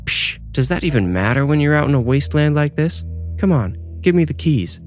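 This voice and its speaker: A man's voice: medium pitch, brisk, faint music behind, voice pushed up, natural voice. A man voicing a hot-tempered teenage girl who turns sarcastic and aggressive. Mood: demanding. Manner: sharp, sarcastic, yelling.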